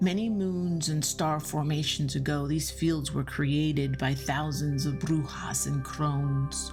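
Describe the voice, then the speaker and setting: A woman's fairly slow speech over background music, with hardly any pauses and very even loudness. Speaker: storyteller. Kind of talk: read story.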